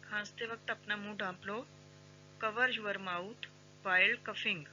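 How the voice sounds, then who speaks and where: An English teacher who drills everyday phrases, repeating each one and saying the English lines very slowly and clearly. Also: mid-range voice, steady tone, sharp tone, slight background noise. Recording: slightly dull sound with faint background music.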